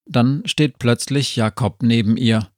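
A man narrating a fantasy storybook in a calm, unhurried way. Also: mid-range voice, dry recording, studio quality. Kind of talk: storybook audiobook reading.

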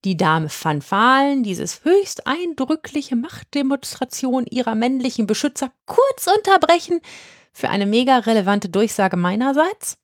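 A woman voicing an eccentric female Christmas witch who speaks in exaggerated courtly phrases with high, squeaky swoops. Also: sing-song, measured pace, no room sound, studio quality. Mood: mock-courtly.

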